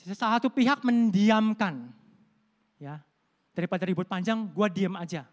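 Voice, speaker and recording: A man's voice: high-pitched, expressive, moderate pace. A middle-aged man preaching a Sunday sermon at a church service. He talks in a conversational, storytelling way, addresses the congregation directly and slips English words into his speech. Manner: conversational preaching, addresses listeners as "saudara", tells personal stories. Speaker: pastor.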